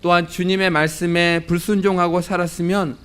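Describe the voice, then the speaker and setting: Male pastor, measured storytelling. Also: high voice, flat delivery, fairly bright tone, clean tone. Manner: measured storytelling with frequent filler sounds. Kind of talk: sermon.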